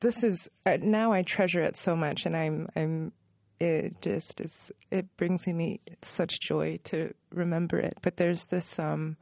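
A woman in her thirties talks through her memories in a studio interview. Her voice sits low, with a gravelly fry and a mellow tone, and the sound is close and dry. She often stops to rephrase and laughs softly now and then. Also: fairly even intonation, measured pace, few pauses, dry recording. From Northern Virginia, USA. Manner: thoughtful, self-correcting, laughs softly. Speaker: musician guest. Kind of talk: relaxed interview conversation.

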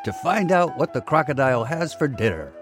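A man's voice: mid-range voice, very animated, a little fast, music in the background, pitched above the performer's own voice. A man voicing a small, curious, polite young male elephant, eager and questioning.

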